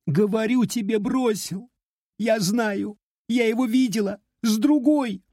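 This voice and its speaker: A man's voice: sits high, a little slow, mellow, no room sound, clean studio sound, voice pushed up. A man voicing a sobbing heartbroken young woman. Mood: sobbing, jealous. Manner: whiny, pleading. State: crying.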